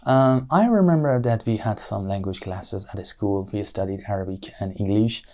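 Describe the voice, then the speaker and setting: A young man whose first language is Persian, answering speaking-test questions in English with a Persian accent, pausing often on "uh" and correcting himself as he goes. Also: fairly low pitch, warm tone. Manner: thoughtful, with frequent "uh" and self-corrections. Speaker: IELTS speaking test candidate. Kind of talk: exam-style spoken answers.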